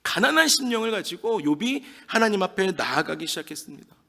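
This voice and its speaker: A male pastor with a high, lively voice that leaps up and down as he preaches a Sunday sermon. He talks dramatically and stresses each point. His words ring with the long reverb of a large church hall. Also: fairly quick, gravelly. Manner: dramatic, emphatic preaching that acts out quoted speech. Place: church sanctuary.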